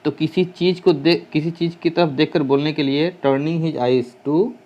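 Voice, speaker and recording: A man teaching English translation to students, slowly dictating English phrases and spelling words out letter by letter, sometimes correcting himself as he thinks aloud. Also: on the high side, steady tone, warm tone, lo-fi sound. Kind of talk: translation lesson explaining Hindi sentences.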